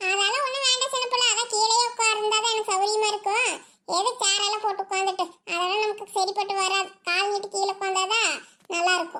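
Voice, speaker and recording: A woman's cartoonish character voice, squeaky and extremely high-pitched, with fairly even intonation and very even loudness. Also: moderate pace. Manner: chatty, unhurried.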